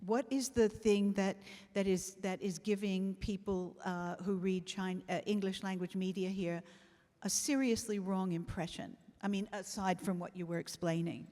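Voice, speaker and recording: A woman's voice: mid-range voice, fairly even intonation, normal speed, warm tone, in a large hall. A woman moderating a panel who rephrases her questions as she asks them. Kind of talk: panel discussion.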